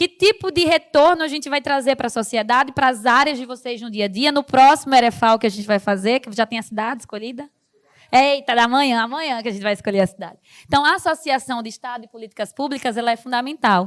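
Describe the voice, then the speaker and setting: A high-pitched woman talking very fast, with ordinary pitch variation and big swings in loudness, dry and close with no echo. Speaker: university professor. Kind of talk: lecture. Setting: stage with audience.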